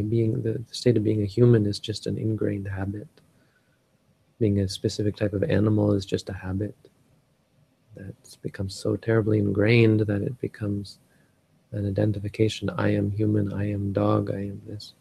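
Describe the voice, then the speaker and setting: A man's voice: fairly low pitch, little pitch movement, normal speed, creaky, mellow, slightly rough. A Canadian man giving a rambling casual talk on a live stream, often restarting and searching for words. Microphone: live stream setup.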